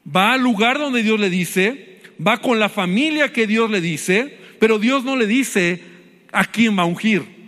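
A man's voice: high voice, a little slow, fairly bright tone, in a large hall. A man with a Mexican Spanish accent preaching a sermon as pastor, addressing his listeners as brother.

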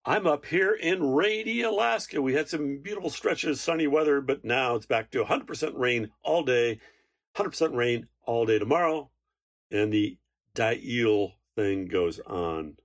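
A man's voice: mid-range voice, expressive, a little slow. A man co-hosting a podcast, chatting casually and rambling with many fillers and restarts. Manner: rambling, hesitant, lots of fillers. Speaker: podcast co-host. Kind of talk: casual chat. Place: Alaska.

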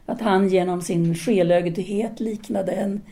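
A woman's voice: mid-range voice, fairly even intonation, gravelly, mellow, lightly acted. An actress playing a self-assured, seductive intellectual woman, a didactic and teasing free thinker in an audio drama. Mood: reflective, candid.

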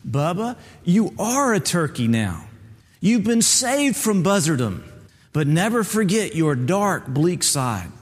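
A stern old male turkey mentor lectures earnestly, laying down rules in a preachy tone, as a man reading aloud puts him on. The voice sits slightly high and echoes with a long reverb, as if in a hall. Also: big pitch swings, takes it slowly, heavily acted.

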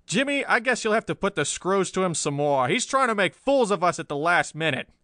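A man's voice: sits high, big pitch swings, a little fast, pushed and bright, no room sound, studio quality, pitched above the performer's own voice, exaggerated voice. A man voicing a hard-boiled, impatient newspaper chief who barks threats in a pulp story reading. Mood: roaring. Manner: barking, threatening.

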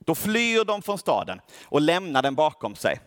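A man's voice: a little high, very animated, no echo. A man preaching a Bible teaching sermon who explains verses and asks the listeners for agreement.

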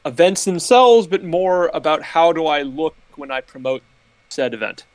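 A man with a somewhat high voice co-hosts a casual political talk show. He mostly agrees and chimes in with short remarks. The recording is dry and close. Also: normal speed, no room sound. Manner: agreeable, brief interjections. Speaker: co-host.

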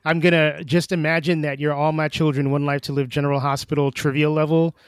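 A man hosting a podcast, chatting casually with his guest and reacting quickly. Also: on the high side, flat delivery, clear, resonant tone, no echo. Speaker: podcast host. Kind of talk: casual conversational interviewing.

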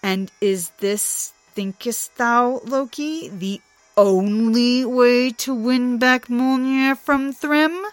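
A woman voicing a proud, hot-tempered male thunder god in a storybook reading, speaking slowly and indignantly. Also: fairly high pitch, fairly even intonation, no room sound, faint music behind, pitched above the performer's own voice. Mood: grudging. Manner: indignant, outraged, slow and loud.

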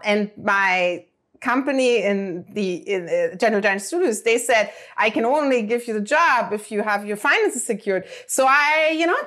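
A middle-aged woman whose first language is German tells stories as an interview guest, chatting casually with plenty of fillers and restarts. Her voice is high-pitched and fairly bright.

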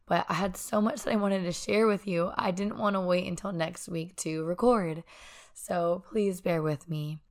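Hoarse young woman, podcast host, low gravelly voice, earnest and encouraging. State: hoarse, raspy from sinus infection. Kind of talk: solo wellness podcast monologue.

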